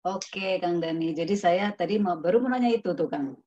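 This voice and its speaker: A woman hosting an online talk, responding in a friendly way with quick replies and laughs. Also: on the low side, mellow. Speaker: host. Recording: dull lo-fi sound with faint noise.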